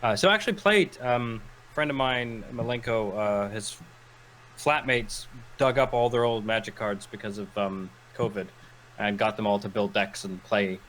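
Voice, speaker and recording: A man's voice: fairly low pitch, moderate pace. A man co-hosting a casual gaming podcast, rambling through stories and acting out quotes as he goes. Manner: rambling, animated storytelling with acted-out quotes. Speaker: podcast co-host. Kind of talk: casual chat.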